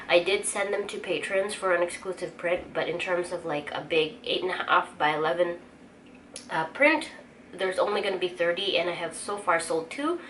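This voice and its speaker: A woman's voice: fairly low pitch, a bit bright. A young woman with a light Filipino accent, chatting casually in her studio and thinking aloud while she sorts her stock. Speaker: artist vlogger. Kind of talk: casual chat while working. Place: home art studio. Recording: noisy room ambience.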